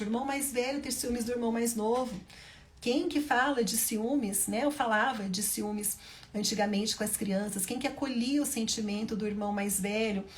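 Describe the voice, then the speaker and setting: A mother with a Brazilian Portuguese accent and a medium-pitched voice speaks straight to camera, giving her viewers parenting advice. She is emphatic and keeps repeating her key points, with slight background noise in the recording.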